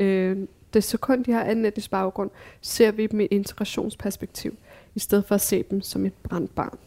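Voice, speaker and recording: A woman speaks fairly slowly at a medium pitch, in a monotone, flat manner with a dark, mellow tone. The recording is very clean and dry, close with no echo, over a silent background. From Denmark, Afghan family. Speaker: debater and author. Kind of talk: casual chat over a meal.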